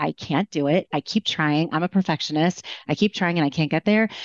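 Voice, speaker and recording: A woman with a plain, everyday voice speaks at a fairly low pitch. Her pace is moderate and her pitch variation ordinary. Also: quiet background. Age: 50s. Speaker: author, eating disorder recovery. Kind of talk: interview conversation.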